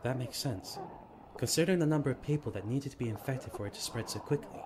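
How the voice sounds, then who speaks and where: A man's voice: medium pitch, fast, natural voice. A man playing a curt, grave soldier explaining a zombie outbreak in an audio drama. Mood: grave, stern. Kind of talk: amateur audio drama acting. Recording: noisy amateur recording.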